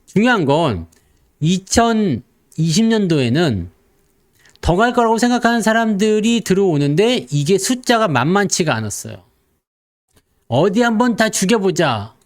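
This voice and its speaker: Speaking a little slowly in a high voice with big pitch swings, a man riffs on the stock market in a casual, joking way. He plays around by imitating investors and bantering with his viewers.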